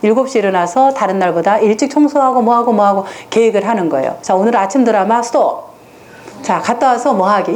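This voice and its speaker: A woman's voice: fairly high pitch, darkish tone. A woman giving a public lecture to parents in a hall, asking the audience questions and answering them herself.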